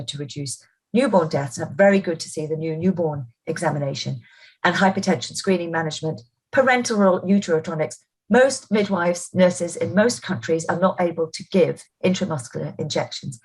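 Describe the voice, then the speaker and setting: A woman's voice: lowish voice, darkish tone, breathy edge, low-quality recording. A woman presenting slides as a health expert, speaking emphatically and with the conviction of an advocate. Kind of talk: slide presentation to midwives and students.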